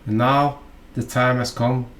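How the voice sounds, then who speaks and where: This Norwegian man talks through how to tie a fly in his native accent, hesitating often and wandering into asides and filler words. The pitch is medium, the intonation fairly even, and the sound a bit bright.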